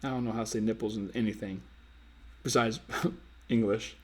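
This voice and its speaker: A man's voice: lowish voice, fairly even intonation, normal speed, darkish tone, husky. A man hosting a dating-advice live stream, casually reading viewer comments and teasing them in a playful, slangy way.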